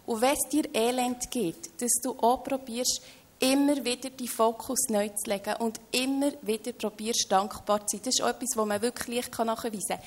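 A woman's voice: on the high side, fairly even intonation, moderate pace. A woman with a Swiss German accent, talking earnestly as a guest in a faith-based conversation, often opening her thoughts with "hey".

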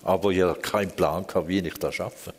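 Swiss German man recounting his past, low voice, blunt and frank, long reverb. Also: steady tone, a little fast, slightly rough. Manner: candid, blunt, emotional storytelling. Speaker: interviewee. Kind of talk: personal life story in an interview.

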